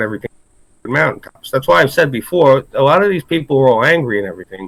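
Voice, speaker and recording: The speaker uses lively intonation in a New York accent. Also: man. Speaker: guest answering accusations. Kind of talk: heated debate. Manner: blunt, combative.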